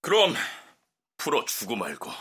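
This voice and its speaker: A man's voice: medium pitch, wildly swooping pitch, unhurried, sharp tone, breathy edge, voice pushed up, full character voice. A man voicing a gleeful, sadistic male lab director in an audiobook, with a mocking, condescending manner. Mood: gloating. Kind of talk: audiobook character voice.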